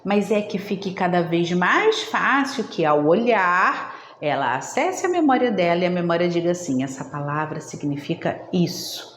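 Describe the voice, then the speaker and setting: A woman's voice: on the low side, sing-song, moderate pace. A woman giving a didactic lesson on early reading, talking straight to viewers and checking in often. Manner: didactic, addresses viewers directly, frequent "tá?" check-ins. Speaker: literacy educator. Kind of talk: instructional video talk. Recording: echoey room, faint background noise.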